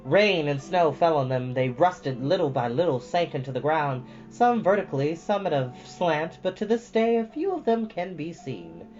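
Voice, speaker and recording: A man's voice: on the high side, sing-song, moderate pace, hardly any pauses, a little mellow. Muffled male storyteller reading over music. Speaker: host of a storytime reading show. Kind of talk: expressive storybook read-aloud. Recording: dull lo-fi sound with music behind.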